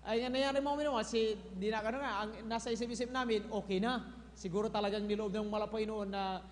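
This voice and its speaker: A man's voice: sits high, level tone, quick pace. A man giving a church testimony to a congregation, telling his story and often addressing them as beloved. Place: church hall. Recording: echoey hall with faint noise.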